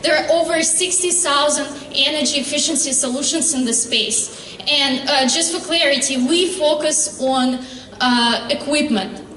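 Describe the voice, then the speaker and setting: A woman founder giving a startup pitch and answering questions, earnest and halting, with many fillers and restarts. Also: sharp tone. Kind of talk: pitch presentation and Q&A. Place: convention hall stage. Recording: echoey hall, distant mic.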